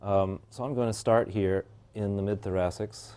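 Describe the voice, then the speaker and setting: A man teaching a hands-on bodywork class, explaining each step calmly and guiding his client's breathing slowly. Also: on the low side, clean tone. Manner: calm, measured explanation with slow guiding instructions. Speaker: bodywork instructor.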